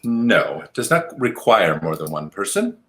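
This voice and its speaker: A man's voice: on the low side, sing-song, normal speed, a bit bright. A man hosting a game show, calling turns and strikes and explaining his rulings in a game show host's delivery.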